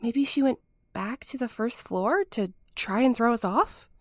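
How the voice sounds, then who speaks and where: An anxious, wry young woman sleuth in an audio drama. The voice is fairly high and very animated, hesitant yet talkative, recorded dry. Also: measured pace, dry recording. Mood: flustered. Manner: hesitant, expressive.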